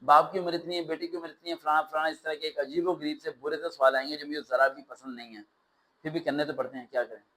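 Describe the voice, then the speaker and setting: Male test-prep teacher, slightly high voice, animated lecturing with sarcastic rants. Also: fast talker, rough recording. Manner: animated, ranting with sarcastic asides. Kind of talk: classroom lecture.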